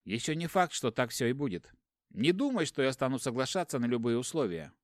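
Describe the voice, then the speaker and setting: Man playing a cold steady warrior brother, clipped and firm, dry sound. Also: mid-range voice, fairly quick, dry recording, lightly acted.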